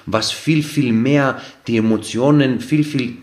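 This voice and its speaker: A man's voice: mid-range voice, a little slow, darkish tone. A man who is not a native speaker, explaining ideas earnestly through everyday examples with many fillers and restarts, as a podcast guest. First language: not German. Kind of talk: casual explanatory talk.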